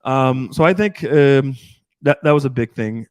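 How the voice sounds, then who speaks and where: A man's voice: medium pitch, a little slow, dry recording. A man in his thirties with a mid-range voice rambles through a casual podcast chat as a dating coach. He swears freely and keeps restarting his sentences. The sound is dry and close. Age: 30s. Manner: rambling, profane, restarts often.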